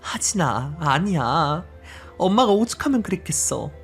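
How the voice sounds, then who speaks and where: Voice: mid-range voice, sing-song, a little slow, a bit bright, faint music behind. A performer voicing a remorseful mother explaining why she left her child, in a dramatized story reading, with a lamenting, apologetic manner. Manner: soothing, then lamenting.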